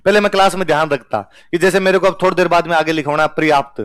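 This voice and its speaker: A man's voice: on the high side, steady tone, fast, a bit bright, smooth, no room sound, studio quality. A male teacher with a Rajasthani accent, giving a conversational, self-mocking storytelling lecture to his students. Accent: Rajasthani Hindi.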